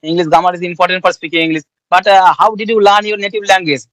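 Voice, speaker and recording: Bengali-accented man, high-pitched, polite and formal, dry close sound; interviewer in a conversation drill. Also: steady tone, fast, fairly bright tone, no echo, low-quality recording. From West Bengal, India. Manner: polite, formal questions, says "ma'am".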